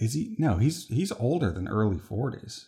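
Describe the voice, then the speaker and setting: The tone is dark and mellow, somewhat breathy, at a moderate pace. Pitch swings very widely throughout. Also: man. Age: 30s. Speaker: freelance animator. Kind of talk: casual chat.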